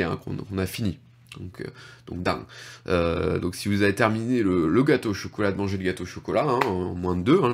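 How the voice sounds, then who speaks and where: A man with a French accent hosting a casual online lesson, chatty and jokey, with frequent fillers and asides. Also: fairly low pitch. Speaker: YouTube host teaching Japanese.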